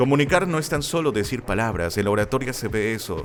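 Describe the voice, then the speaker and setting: Over audible room echo, a man talks at a fairly quick pace with lively intonation. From Peru. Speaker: public speaking coach and announcer. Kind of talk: conference talk.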